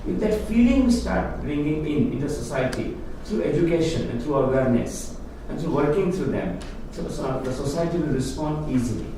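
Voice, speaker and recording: A slightly high-voiced man with lively intonation talks at normal speed, barely pausing. He's a guest speaker on Hindu philosophy, earnestly explaining ideas to a lecture-room audience in plain, non-native English, captured from afar in a noisy, echoey hall.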